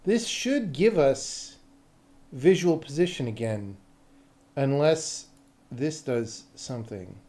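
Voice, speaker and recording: A man with a mellow, dark-toned voice talks slowly as he thinks aloud at his computer. He speaks in short, muttered fragments, casually and with some swearing. Keyboard typing and faint noise sit behind him. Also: mid-range voice, animated. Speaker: livestreaming game programmer. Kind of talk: casual thinking aloud while coding on stream.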